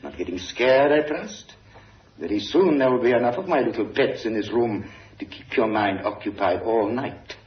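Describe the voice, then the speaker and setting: An actor playing Kramer, a cold, sinister villain who gloats with smooth menace, in an old radio drama recording. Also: male voice, medium pitch, lively intonation, normal speed, echoey room, dull audio, close to an everyday voice. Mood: gloating.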